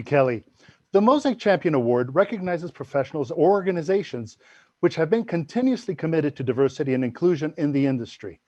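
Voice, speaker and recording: A formal, measured man presenting an awards show. His voice is slightly high but mellow, recorded dry and dull. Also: no room sound. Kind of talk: scripted presenting.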